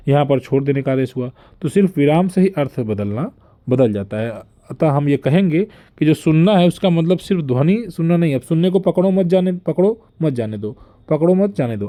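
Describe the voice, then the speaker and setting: A man's voice: on the high side, dark tone. A young man giving an online lecture on language teaching, explaining step by step with frequent check-in fillers. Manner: explanatory, frequent "dekhiye" and "theek hai" fillers.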